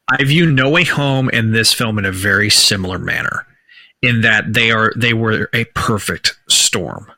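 A man co-hosting a casual film discussion, talking haltingly with many restarts as he builds his point. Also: medium pitch, pushed and bright, no echo. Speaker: podcast co-host. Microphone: remote call setup.

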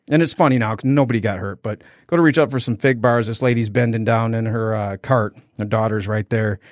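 Male podcast co-host, candid storyteller, average pitch, dry close mic. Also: no room sound. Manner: candid storytelling, acts out quotes. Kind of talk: casual podcast chat.

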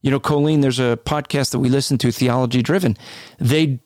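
A man with a deep, booming voice co-hosting a podcast, explaining things in a casual, conversational way. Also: fairly even intonation, brisk, a little mellow, no room sound, clean studio sound. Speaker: podcast co-host.

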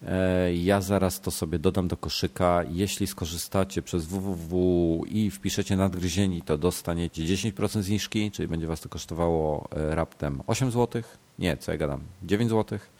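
A man's voice: low-pitched, moderate pace, darkish tone. A man hosting a casual podcast while sick, with a congested, blocked-nose voice, speaking hesitantly and often correcting himself. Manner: hesitant, self-correcting, repeats words. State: sick with a stuffed nose and fever. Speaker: podcast host.

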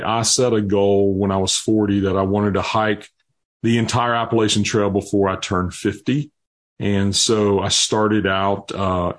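A man in his fifties, an interview guest, telling personal stories earnestly with frequent restarts. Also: on the low side. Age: 50s. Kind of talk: interview storytelling.

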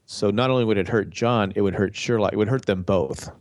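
On a casual TV discussion podcast, a co-host with a stuffy, nasal voice rambles through a theory, often breaking off and restarting mid-sentence. He speaks briskly in a lowish, slightly mellow voice, with no room sound.

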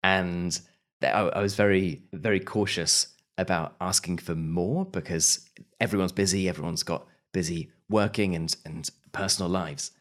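A man's voice: low voice, fairly even intonation, normal speed. A British man answering interview questions in a thoughtful, casual way, often restarting his sentences. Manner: thoughtful, frequent restarts and small laughs. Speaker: podcast host and audio drama producer.

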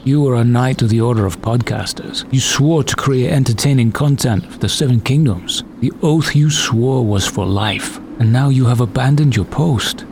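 A man's voice: mid-range voice, moderate pace, few pauses, a little mellow, a little hiss or hum, close to an everyday voice. A man playing a stern, grim medieval northern lord with a solemn, formal delivery in a fantasy parody sketch.

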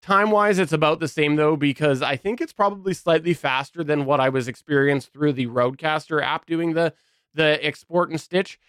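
A man's voice: fairly high pitch, moderate pace, a bit bright, smooth, no echo, studio quality. A man co-hosting a podcast, chatting casually about recording gear and laughing often. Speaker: podcast co-host. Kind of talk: casual tech chat.

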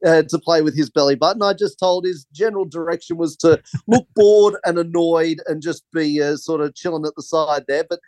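A man's voice: on the high side, fairly quick, few pauses, a little mellow, no room sound. A man, a film director, rambling through anecdotes in a casual interview and laughing often.

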